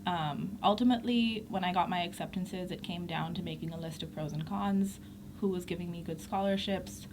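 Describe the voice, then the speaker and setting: Young woman from Pakistan, low-ish voice, upbeat and articulate, noisy studio line. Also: moderate pace. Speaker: guest. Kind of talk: radio interview.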